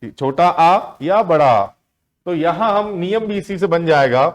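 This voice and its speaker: A man with a slightly high voice and lively intonation runs an exam-prep grammar lesson. He asks the class questions only to answer them himself, lengthening the key words as he speaks.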